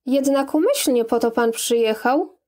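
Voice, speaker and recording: An anxious young lady of an old country manor, voiced by a woman reading an audiobook. She pleads earnestly in a fairly high, unhurried voice. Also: warm tone, close to an everyday voice. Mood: pressing.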